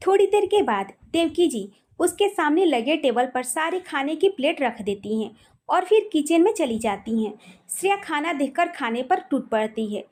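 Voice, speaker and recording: A woman reads a scripted love story with melodic, expressive narration. Her voice sits high and moves a great deal in pitch. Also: normal speed.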